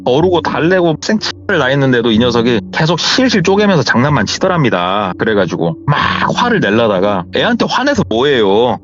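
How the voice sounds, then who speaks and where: Animated man telling a horror story. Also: mid-range voice, brisk, hardly any pauses. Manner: animated, conversational, dramatic retelling. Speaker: horror story radio host. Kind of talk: storytelling narration of a true horror tale. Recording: dull lo-fi with faint music.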